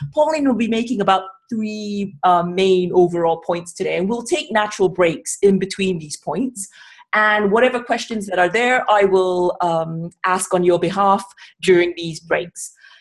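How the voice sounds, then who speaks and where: A woman speaks in a normal speaking voice at medium pitch. Her pace is moderate and her pitch varies in an ordinary way. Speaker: webinar host. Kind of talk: webinar moderation, casual. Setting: video call.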